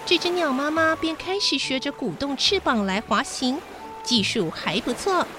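High-voiced woman telling a bedtime story. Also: lively intonation, moderate pace. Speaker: children's story show host and narrator. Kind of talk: expressive children's bedtime storytelling. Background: background music.

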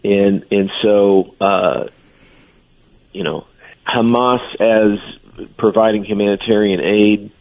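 A man's voice: fairly low pitch, fairly even intonation, slow pace, creaky, pauses often, narrow, tinny audio. A man speaking as a guest on a radio interview, giving earnest, blunt opinions. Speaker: guest commentator.

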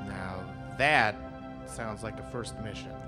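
A man's voice: lowish voice, slow, over music. A man playing a bumbling, indignant fleet captain with flustered, theatrical delivery in a comedy sci-fi audio drama.

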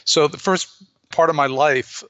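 Interview guest: man raised in Beirut, bright voice, dry mic, reflective with restarts. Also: on the high side, fairly even intonation, unhurried, no room sound, lo-fi sound. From Lebanon. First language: bilingual in Arabic and English. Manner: reflective, storytelling with repeated restarts. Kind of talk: casual interview talk.

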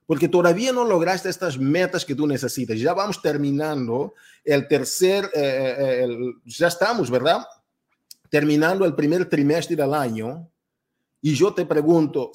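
A man's voice: a little high, darkish tone. A man, likely in his thirties, giving an emphatic motivational talk as a coach, speaking straight to his listeners and repeating his points. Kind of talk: motivational talk to a live audience.

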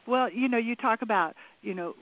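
A woman hosting an interview who reacts with enthusiasm and asks halting questions full of restarts. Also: fairly high pitch, dry recording. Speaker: interview host. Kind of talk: casual interview chat. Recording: phone-like narrow line.

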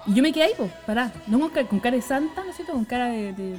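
Young Chilean woman, high and quick, casual slangy storyteller who laughs a lot. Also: music in the background. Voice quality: slangy, animated, laughs often.

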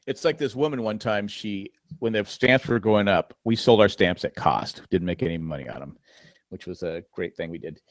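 A man's voice: on the low side, normal speed, no room sound, clean studio sound. A man co-hosting a casual podcast chat, telling stories and acting out customers' lines in raised voices. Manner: animated storyteller, acts out customers in raised voices. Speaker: podcast co-host.

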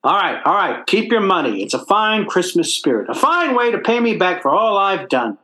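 A man's voice: high-pitched, very animated, normal speed, pushed and bright, heavily acted. A man as blustering sitcom dad, wildly swooping delivery. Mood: indignant. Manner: blustery, stammering, folksy ungrammatical talk. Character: blustering, hapless working-class family father in radio comedy. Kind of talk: old-time radio sitcom acting.

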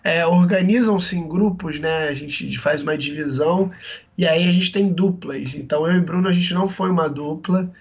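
Hoarse man with a cold. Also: fairly high pitch, moderate pace, dull audio. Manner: relaxed, rambling with many restarts. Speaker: podcast co-host. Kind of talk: casual podcast chat.

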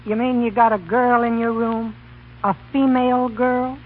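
An actor playing a skeptical, wisecracking young American college student with sarcastic, mock-formal quips in a 1930s radio comedy. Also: male voice, very high voice, little pitch movement, normal speed, narrow, tinny audio. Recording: thin, noisy 1930s radio broadcast.

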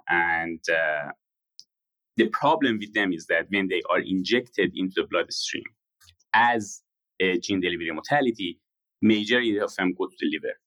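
A man, answering interview questions in a measured, explanatory way with frequent pauses. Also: low-pitched, a bit bright, no echo, poor audio. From Iran. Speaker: guest founder.

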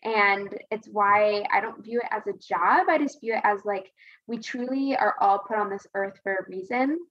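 Speaking as a podcast guest, this women's health advocate gives a casual, earnest interview answer, wandering a bit and restating points to stress them. She has a mid-range voice and a moderate pace, captured with lo-fi sound.

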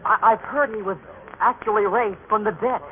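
Man playing an eager, high-voiced young seeker. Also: normal speed, a little hiss or hum, natural voice. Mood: awed. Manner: urgent, breathless wonder. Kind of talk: vintage radio drama acting. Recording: tinny old radio recording, crowd behind.

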